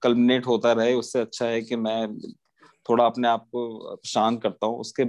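A man is speaking. His voice has a medium pitch. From western Uttar Pradesh, India. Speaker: artist. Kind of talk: casual interview.

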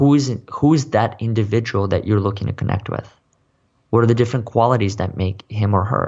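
This man's fairly low voice comes across as somewhat breathy. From Russia. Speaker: leadership speaker. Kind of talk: interview.

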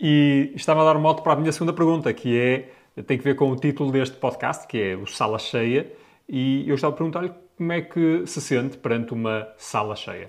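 A man in a normal speaking voice, fairly high-pitched, with ordinary pitch variation at a fairly quick pace. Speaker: podcast host. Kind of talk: interview conversation.

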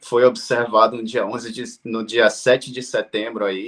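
At a very slow pace, a man talks in a monotone, flat intonation at medium pitch. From Salvador, Bahia, Brazil; in the US from age 13. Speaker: US Army veteran and law enforcement officer. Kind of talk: casual interview. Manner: halting, many fillers.

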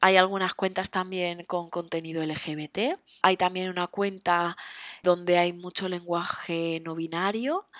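In a dry, close sound with no echo, a woman speaks at a fairly low pitch. Her delivery is monotone and flat at a fairly slow pace. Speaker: Spanish teacher podcaster. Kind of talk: casual educational monologue. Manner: informal, friendly.

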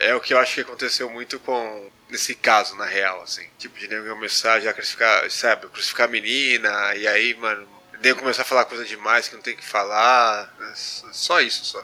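The man's voice is medium in pitch and monotone, with flat intonation. He keeps a moderate pace over noticeable background noise. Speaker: podcast co-host. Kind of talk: casual chat.

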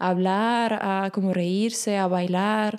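On a very clean recording with a silent background, a woman with a Slovak accent speaks in a dark, mellow tone. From Slovakia (born in Romania, Slovak minority). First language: Slovak (speaking Spanish). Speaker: podcast guest. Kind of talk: interview, casual. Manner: hesitant, many fillers.

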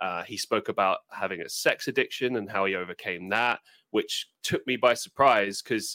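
A man with a British accent, in a dry, close sound with no echo on a very clean recording with a silent background. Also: moderate pace. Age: 20s. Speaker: podcast host. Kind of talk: casual chat.

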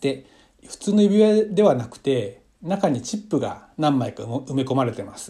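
A man talks in a dark, mellow tone that is somewhat breathy, his pitch swinging very widely. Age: 40s. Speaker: salesman podcaster. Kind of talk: casual monologue. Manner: halting, many fillers.

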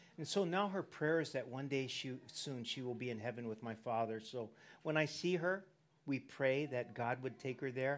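The recording is very clean with a silent background as a man speaks at a medium pitch and a fairly slow pace with ordinary pitch variation. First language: English (speaking Japanese). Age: 60s. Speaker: pastor. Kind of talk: sermon.

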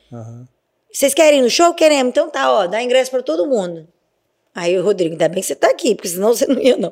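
A woman with a fairly high pitch and vocal fry talks at a very fast pace, her voice making very wide pitch swings. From Brazil, Espírito Santo (Vila Velha). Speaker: chef. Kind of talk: interview.

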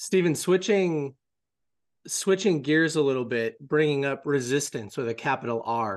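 Against a quiet background, a man with a normal speaking voice and fairly high pitch talks at a moderate pace with lively intonation. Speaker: podcast co-host. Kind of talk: interview conversation.

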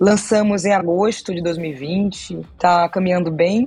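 The woman has a normal speaking voice, medium in pitch, with ordinary pitch variation. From Salvador, Bahia, Brazil. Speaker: entrepreneur. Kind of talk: interview.

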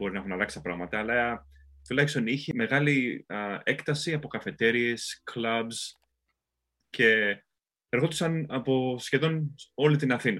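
A man speaks at a medium pitch with a bright, sharp tone and ordinary pitch variation. He keeps a moderate pace, with long, frequent pauses. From Greece, Peristeri, Athens. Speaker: podcast host. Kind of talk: casual chat.

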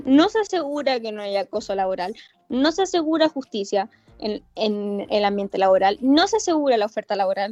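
Over music in the background, a woman with a Chilean accent speaks fairly quickly in a fairly high voice with lively intonation and a dry, close sound with no echo. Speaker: podcast host. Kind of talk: casual chat.

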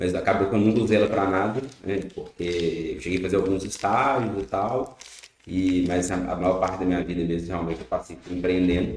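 A man talks at a fairly quick pace with fairly even intonation. His pitch is very deep and low. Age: 30s. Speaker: company founder and CEO. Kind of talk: casual interview. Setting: in person at his company office. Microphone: audio technical problems.

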